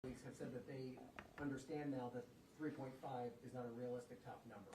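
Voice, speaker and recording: A woman's voice: a bass voice, fairly even intonation, fairly quick, noisy background. A woman interviewer pressing a politician with pointed questions. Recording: distant, roomy mic.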